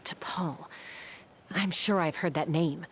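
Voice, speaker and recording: A woman's voice: on the low side, slow pace, a little hiss or hum. A woman voicing a tough, stern young tribal warrior who interrogates a captive in a game cutscene. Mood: pondering.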